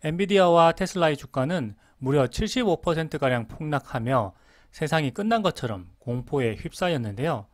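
Very fast, dry narrating man. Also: fairly high pitch, no echo. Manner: brisk, even, explanatory. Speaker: channel narrator. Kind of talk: scripted voice-over narration.

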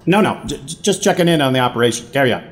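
A man's voice: medium pitch, animated, rapid-fire, slight background noise, close to an everyday voice. An actor playing a smug, unscrupulous corporate boss in an audio drama, with a pompous salesman's manner. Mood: smug, assured. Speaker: corporate head of a facility.

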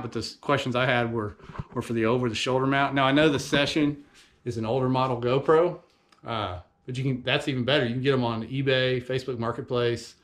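Relaxed man in his garage. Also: mid-range voice. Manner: relaxed, conversational, frequent "uh" fillers. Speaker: fishing channel host. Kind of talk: casual how-to vlog. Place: home garage workshop, indoors.

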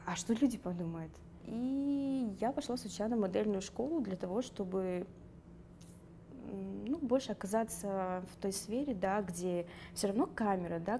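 A woman's voice: medium pitch, vocal fry, mellow, a little hiss or hum. A young woman from the North Caucasus with a light Circassian accent, chatting in a sit-down interview, laughing often and using many fillers. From Karachay-Cherkessia, North Caucasus. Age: young adult. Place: dark studio. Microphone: lapel.

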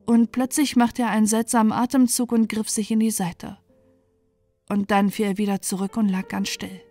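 A woman calmly reading a dark fairy tale aloud as a bedtime story, in a gentle, even manner. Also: medium pitch, moderate pace, no echo. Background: soft background music.

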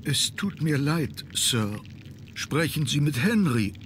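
A man's voice: on the high side, big pitch swings, slow, a bit bright, a little hiss or hum, exaggerated voice. A man playing a reserved, weary butler in an adventure game, formal, deferential and resigned. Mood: apologetic, guarded. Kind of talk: scripted adventure game dialogue.

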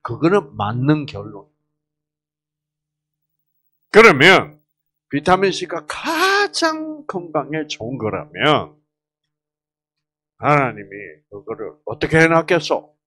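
A man's voice: fairly high pitch, wildly swooping pitch, slow, long pauses, pushed and bright, breathy edge. A man giving a health lecture to a live audience, quizzing the listeners with questions and jokingly slipping into regional dialects.

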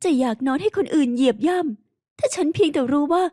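A young heiress in a detective audiobook, trembling and pleading as she insists on her innocence, as a woman reader puts her on. Her voice sits raised and bright above the narration. The sound is close and dry. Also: sits high, expressive, fast, no echo, voice pushed up. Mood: anguished. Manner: tremulous, pleading. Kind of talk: audiobook character voice.

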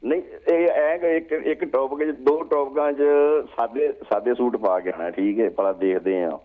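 A man's voice: medium pitch, normal speed. A man calling in to a chat show, joking and repeating himself, often ending with a questioning "huh?". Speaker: regular phone-in caller. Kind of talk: casual chat. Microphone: telephone. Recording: tinny phone line.

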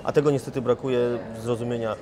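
Guy in his 40s at a conference, mid pitch, talks measured with lots of restarts, chatter behind. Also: fairly even intonation. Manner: measured, with frequent restarts and fillers. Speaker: investment firm chief executive. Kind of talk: interview answers. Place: conference hall in front of a sponsor wall. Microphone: lapel mic. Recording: conference crowd noise. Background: crowd chatter.

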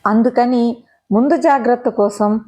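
A woman's voice: fairly high pitch, a little mellow, close to an everyday voice. A woman doing a strict scolding mother. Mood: coaxing. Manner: deliberate, scolding. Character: strict middle-aged mother, scolding then coaxing.

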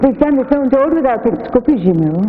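A woman's voice: high-pitched, animated, fast, narrow, tinny audio. Garrulous woman, echoey hall. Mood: chatty. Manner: garrulous, colloquial. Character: chatty, nosy Cockney woman witness. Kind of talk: 1960s British television drama acting. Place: large bare rehearsal hall. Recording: echoey hall, thin hissy old film.

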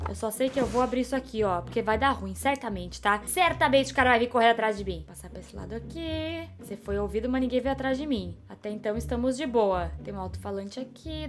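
A young Brazilian woman with a Brazilian Portuguese accent, narrating a stealth game in excitable, panicky running commentary to herself. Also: on the high side. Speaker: gaming YouTuber. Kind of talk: let's-play commentary.

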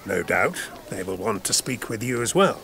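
Condescending, animated royal chamberlain. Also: male voice, lowish voice, a little hiss or hum, full character voice. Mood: smoothly patronising. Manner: patronising, measured, formal courtly speech. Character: condescending royal chamberlain, a worldly, cynical courtly man. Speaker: actor in an audio drama. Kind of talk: audio drama acting.

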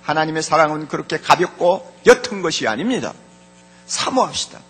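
High, forceful male preacher. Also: sing-song, fairly quick, husky. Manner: fervent, repeats key words, addresses the congregation directly. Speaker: pastor. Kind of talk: sermon.

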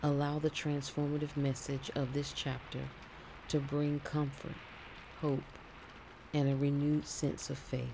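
A man narrating a guided Christian sleep meditation in a soothing, gentle way with deliberate phrasing, as a meditation guide. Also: on the high side, monotone, vocal fry, background noise.

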